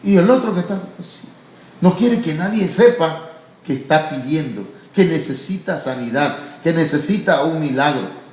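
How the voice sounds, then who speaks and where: Fervent pastor in echoey church. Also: male voice, fairly high pitch, animated. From Mexico. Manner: fervent, repeatedly calling listeners "hermano"; rises to loud, drawn-out cries when acting out pleas. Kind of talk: sermon.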